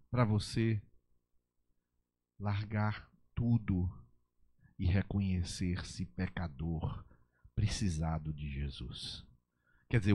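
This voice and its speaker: A male pastor preaching a sermon at a church service, swinging between loud exhortation and soft pleading. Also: on the low side, husky.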